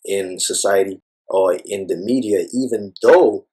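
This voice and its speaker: A man with a low, husky voice answers an interviewer. He reflects at length on personal experience and leans on frequent "you know"s and "like"s as he gathers his thoughts. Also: a little slow, warm tone. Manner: thoughtful, rambling with frequent fillers. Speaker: interview guest.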